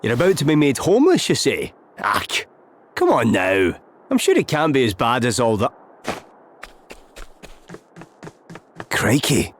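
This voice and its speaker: An actor with a Scottish accent playing a breezy, boastful noble-born traveller in a video game, chummy and bluff. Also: male voice, mid-range voice, wildly swooping pitch, moderate pace, slight background noise.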